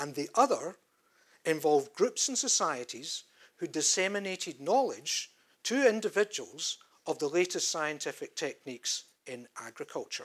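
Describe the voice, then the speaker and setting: Against a quiet background, a man with a Scottish accent talks at a moderate pace in a high pitch, his pitch swinging very widely. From Scotland, Glasgow. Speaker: professor. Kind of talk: academic lecture. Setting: conference room with audience. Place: hall. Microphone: podium.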